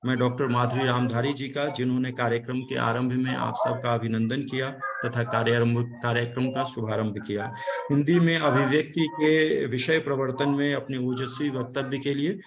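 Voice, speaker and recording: A man from India speaks in a formal, explanatory way over a video call. His pitch sits in the middle range, and he often pauses and corrects himself mid-sentence. He sounds like a speaker addressing an online seminar. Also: steady tone, noisy background. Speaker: speaker giving vote of thanks.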